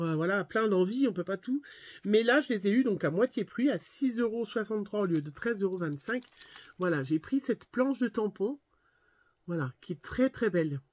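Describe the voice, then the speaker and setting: A woman's voice: mid-range voice, darkish tone, no echo. A French woman with a head cold, rambling casually through a shopping haul with lots of hesitations. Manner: rambling, many fillers and restarts. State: congested with a cold. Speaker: scrapbooking vlogger. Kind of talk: casual haul chat to viewers.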